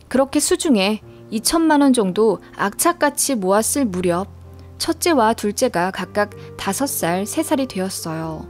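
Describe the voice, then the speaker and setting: A woman narrating a true family story in a steady, earnest storytelling manner. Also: a little high.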